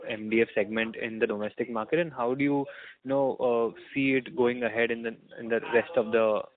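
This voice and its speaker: A man's voice: medium pitch, fairly even intonation, fairly quick. A man with an Indian accent politely asking questions as an analyst, in spontaneous, slightly hesitant phrasing. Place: on a phone call. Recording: tinny narrowband phone line.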